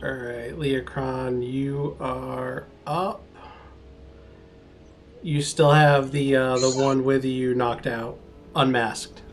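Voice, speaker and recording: A man's voice: mid-range voice, steady tone, very slow, faint music behind. A man acting as game master, casually narrating a tabletop game to his players.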